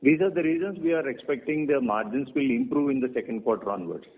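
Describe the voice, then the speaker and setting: Indian exec guy on a muffled conference call, husky voice, halting, counts off his points. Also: medium pitch. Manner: halting, enumerates points one by one. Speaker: company executive. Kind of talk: answering questions on an earnings call. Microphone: conference call phone.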